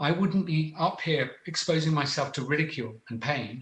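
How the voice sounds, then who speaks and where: A man speaks at a fairly high pitch, sounding somewhat breathy. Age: 60s. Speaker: scientist speaking out on covid data. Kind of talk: panel discussion.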